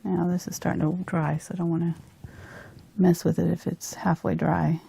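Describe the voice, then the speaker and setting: This woman, a painting instructor hosting a casual tutorial, has a lowish, dark voice with vocal fry and a breathy edge. Her tone stays level at a moderate pace while she giggles, chats informally, and thinks aloud as she works.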